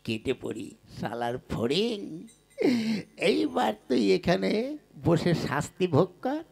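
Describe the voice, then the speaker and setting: A man's voice: high voice, huge pitch swings, takes it slowly, creaky, a little mellow, husky, full character voice. A man voicing a sly, boastful young village rogue who talks in a wheedling, colloquial way in a comic puppet play. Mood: smug, scheming.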